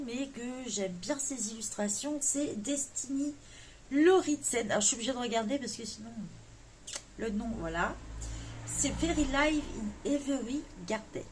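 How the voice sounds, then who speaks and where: Speaking in a high, animated voice with a darkish tone and a measured pace, a woman who makes coloring videos chats casually about her wish list. She hesitates a lot and jokes about her English accent.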